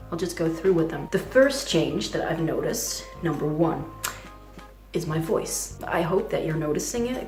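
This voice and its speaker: A young trans man talking in a casual video diary, hesitant and full of fillers, with a fragile voice that sometimes skips between low and high. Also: a little mellow, roomy sound. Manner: hesitant, many "like" fillers, nervous laughs. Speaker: vlogger.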